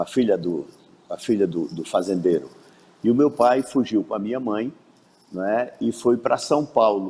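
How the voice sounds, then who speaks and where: A man's dark, mellow tone at medium pitch, with lively intonation and long, frequent pauses. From Alagoas, Brazil (Maceió). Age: 60s. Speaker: football club president. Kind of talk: interview. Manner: halting.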